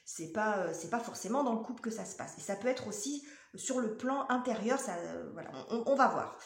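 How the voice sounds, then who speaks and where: A woman's voice: a little high, lively intonation, a little fast, gravelly. Hesitant woman reading tarot, roomy echo. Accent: French. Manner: hesitant, many fillers and restarts. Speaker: tarot reader.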